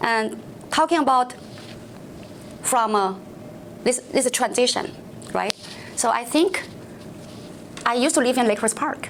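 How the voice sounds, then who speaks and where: With a Chinese accent, the speaker keeps a moderate pace with long, frequent pauses, ordinary pitch variation, and very even loudness against noticeable background noise. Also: woman. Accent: Mandarin Chinese. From China, Tianjin. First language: Mandarin Chinese. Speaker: city councilmember and school district worker. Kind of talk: interview.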